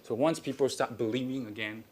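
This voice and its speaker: A man from Malaysia, a contestant, who talks earnestly and fills pauses with "uh". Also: mid-range voice, darkish tone, a little hiss or hum.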